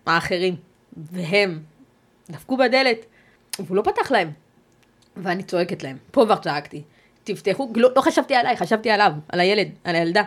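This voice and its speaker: Speaking at a medium pitch, this woman is a podcast interview guest recounting a personal ordeal. Her account comes out measured and halting, with pauses and restarts along the way.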